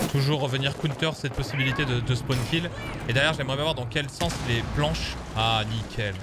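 Fairly quick speech from a man, with ordinary pitch variation, a dry sound with no echo, and noticeable background noise. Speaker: game streamer. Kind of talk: gameplay commentary. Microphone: studio mic.

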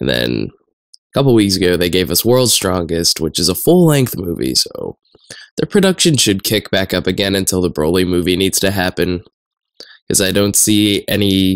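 Against a quiet background, a man speaks at a very deep, low pitch and a moderate pace. His intonation is lively, and the sound is dry with no echo. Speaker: reaction video creator. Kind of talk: casual vlog chat. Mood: mildly ranting, playful. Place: home room. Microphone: studio mic.

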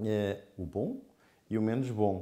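Against a quiet background, a man with a dark, mellow tone speaks at a very slow pace with ordinary pitch variation. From Portugal (moved from Angola at 9). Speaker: nonprofit leader and consultant; interviewee. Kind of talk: interview testimony. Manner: halting, many fillers. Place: office. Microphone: lapel.

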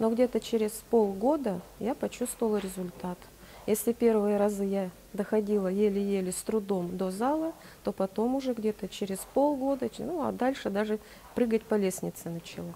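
A woman with an ordinary speaking voice talks at a moderate pace, her fairly high pitch showing ordinary variation. Light background noise sits behind her. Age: 60s. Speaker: retiree, rehabilitation patient. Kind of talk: testimonial interview answer. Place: gym. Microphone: camera far.

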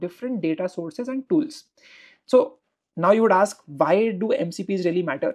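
A man at a fairly quick pace, dark and mellow in tone, with lively intonation over a quiet background. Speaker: tech tutorial creator. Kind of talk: tutorial. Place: home room.

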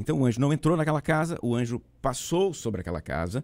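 A man talks fairly quickly, his tone dark and mellow. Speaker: pastor. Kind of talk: debate and closing prayer. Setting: radio studio. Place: studio. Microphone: studio mic.

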